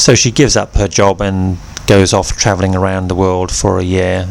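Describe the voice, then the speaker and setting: Very deep, low male voice in a monotone, flat delivery at a moderate pace, with noticeable background noise. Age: 60s. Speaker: English teacher. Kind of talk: casual chat.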